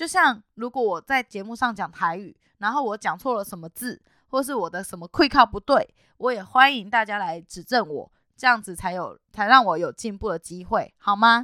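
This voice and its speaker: A woman with a Taiwanese accent speaks at a moderate pace and fairly high pitch, with lively intonation and big swings in loudness. The recording is very clean, with a silent background and a dry, close sound without echo. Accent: Taiwanese Mandarin. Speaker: podcast host. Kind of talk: casual monologue.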